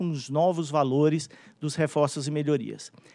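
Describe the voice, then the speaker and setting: A man speaks with a fairly high pitch. The sound is dry with no echo, and the background is quiet. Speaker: regulatory agency technical staff; presenter. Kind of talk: technical presentation. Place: meeting room.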